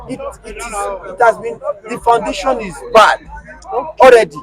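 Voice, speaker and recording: A Nigerian man with a Nigerian accent, speaking as an interview guest in casual conversation, animated and emphatic, firing rhetorical questions. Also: very high voice, rough recording.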